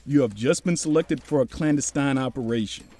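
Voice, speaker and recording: A man plays a fatherly older US Army officer in a wartime radio play. His voice sits at an ordinary medium pitch. He is genial and folksy, yet carries probing, commanding authority. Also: fairly quick, warm tone, close to an everyday voice. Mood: grave. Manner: folksy, commanding, addresses juniors paternally. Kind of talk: audio drama acting.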